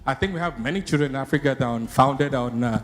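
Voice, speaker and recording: A man's voice: mid-range voice, fast talker, soft background music. A man from Canada in the audience, asking probing questions at a conference. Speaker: audience member. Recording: echoey conference hall.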